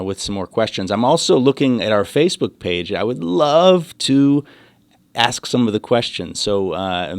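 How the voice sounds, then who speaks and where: A man hosting a radio talk show, interviewing guests in a relaxed, friendly way with easy fillers. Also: lowish voice, smooth.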